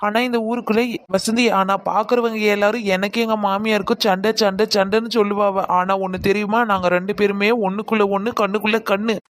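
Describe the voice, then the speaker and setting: A woman voicing a chatty young village daughter-in-law in an animated cartoon, boastful and quick-talking like a gossip. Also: mid-range voice, natural voice.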